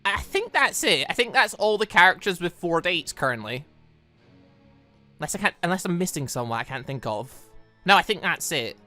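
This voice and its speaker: A man's voice: high voice, big pitch swings, moderate pace, bright, forceful tone, soft background music. A man giving casual, rambling, exclamatory let's play commentary as a gaming host.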